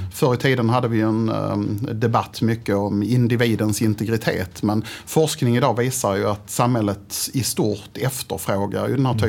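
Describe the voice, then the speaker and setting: Noticeable background noise sits behind a man talking at a moderate pace. His pitch is fairly low and his intonation fairly even. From Helsingborg, Skåne, southern Sweden. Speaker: local politician, former police inspector. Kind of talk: interview.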